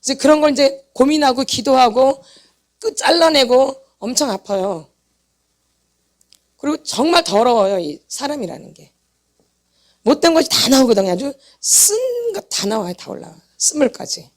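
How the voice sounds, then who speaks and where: A woman with a high voice preaches at a church seminar. She repeats each point with force and throws short questions back to the congregation, then answers them herself. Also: animated, normal speed, pauses often. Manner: emphatic, repeats points and quizzes the audience for answers. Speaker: pastor's wife teaching a healing seminar. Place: church meeting hall.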